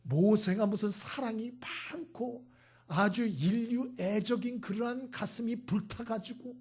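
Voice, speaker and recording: Husky-voiced male pastor preaching. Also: very high voice, darkish tone. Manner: rhetorical questions, acts out God and Moses in quick voices, drops to a whisper. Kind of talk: sermon.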